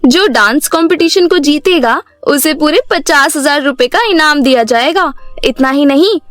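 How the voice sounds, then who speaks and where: A woman voicing a spoiled, boastful young stepsister in an animated storybook, with a very high, shrill, bratty voice. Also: normal speed, no room sound. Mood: excited.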